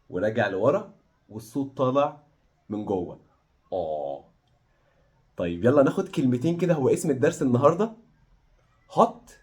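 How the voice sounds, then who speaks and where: Egyptian male pronunciation teacher, encouraging, drills vowel sounds slowly, very expressive pitch. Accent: Egyptian Arabic. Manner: demonstrates vowel sounds slowly, repeating them. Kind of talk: online pronunciation lesson.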